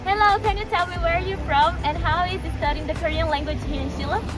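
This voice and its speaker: A high-voiced young woman walks through a campus and chats as she points out each building. Her vlog narration is relaxed and casual, with bright music playing underneath. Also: a little fast, crowd noise. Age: young adult. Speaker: student vlogger giving a campus tour. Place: outdoors and indoors on a university campus. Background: background music.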